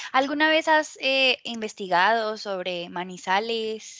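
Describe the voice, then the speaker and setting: 1. A woman speaks very slowly at a fairly high pitch with lively intonation. 2. The sound is dry with no echo, and the background is quiet. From Colombia, Cúcuta; Colombia. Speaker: Spanish teacher. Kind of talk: casual conversation lesson. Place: home room.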